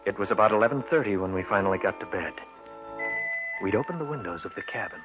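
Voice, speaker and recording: An actor narrating and playing the lead in a 1940s radio drama, telling the story plainly. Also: male voice, fairly low pitch, expressive, fast, phone-quality sound, close to an everyday voice. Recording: old radio broadcast with music.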